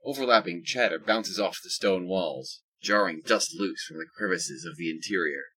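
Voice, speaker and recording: A man narrating a scripted audio drama in a husky voice. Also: deep voice, moderate pace, pushed and bright, rough recording.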